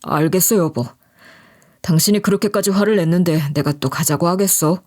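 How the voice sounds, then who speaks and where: Brief: calm peacemaking husband in an audio story, lowered soothing voice, voiced by a woman. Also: normal speed, close to an everyday voice.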